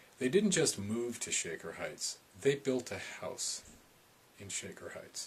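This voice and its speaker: A somewhat breathy man with an American accent, at a fairly slow pace. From Cleveland, Ohio, US Midwest. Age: 50s. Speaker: personal storyteller recounting childhood. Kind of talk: personal memoir narration.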